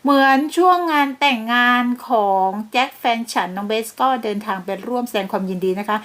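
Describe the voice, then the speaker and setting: A woman's voice: on the high side, fairly quick, fairly bright tone. A woman hosting a celebrity gossip channel, chatting and gushing with frequent exclamations. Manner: gushing, exclaims and laughs often.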